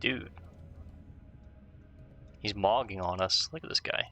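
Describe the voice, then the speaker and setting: Let's play host, male, laid-back, gravelly low voice with a bright edge. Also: slow pace, faint music behind. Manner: laid-back, reads quest text aloud. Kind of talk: casual gaming commentary.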